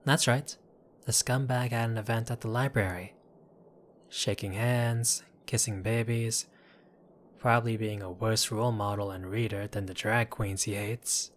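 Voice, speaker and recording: A man's voice: on the low side, steady tone, unhurried, lightly acted. A man playing a chatty, apologetic mafia boss in an audio roleplay, talking to the listener in a wry, exasperated, placating way. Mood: wry, probing. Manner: conversational, wry, placating, theatrical asides.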